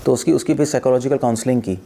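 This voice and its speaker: A man giving a spiritual discourse as a monk who was once a doctor. His voice is mellow and rounded, never sharp. He tells stories with lively repetition and acts out the quoted thoughts of the people in them. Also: medium pitch, rapid-fire, gravelly. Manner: animated storytelling, acts out quoted thoughts and repeats phrases.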